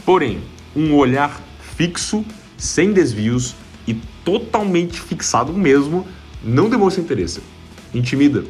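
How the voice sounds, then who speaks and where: A man's voice: on the high side, big pitch swings, a little slow, a little mellow, soft background music. Man coaching viewers in a direct tone. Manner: direct, explanatory, addresses viewer. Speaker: self-improvement coach. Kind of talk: instructional video talk.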